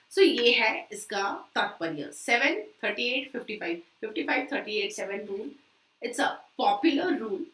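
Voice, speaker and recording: Indian lady teacher doing a live revision class, slow deliberate delivery, bright voice, kinda far off in an echoey room. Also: on the high side. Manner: mixes Hindi and English, checks in with "ठीक है?"; stretches key words slowly for emphasis. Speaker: commerce exam teacher. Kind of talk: live online revision lecture. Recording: echoey, from a distance.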